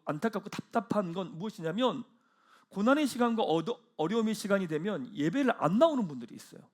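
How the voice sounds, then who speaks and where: A male pastor delivering a Sunday sermon in a church, his voice sitting high and moving with wide, lively swings of pitch. He rises into loud proclamations, then drops to hushed, quiet asides. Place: church sanctuary.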